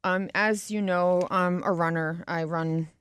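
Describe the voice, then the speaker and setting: A woman's voice: lowish voice, steady tone, measured pace, a bit bright, clean tone. A woman radio host and financial advisor talking in a chatty, casual way, laughing easily.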